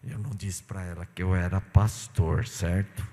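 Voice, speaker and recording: A man, a pastor, giving an animated sermon and telling stories, acting out dialogue. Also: low-pitched, moderate pace. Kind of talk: sermon with personal anecdotes. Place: church sanctuary. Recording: long church hall reverb.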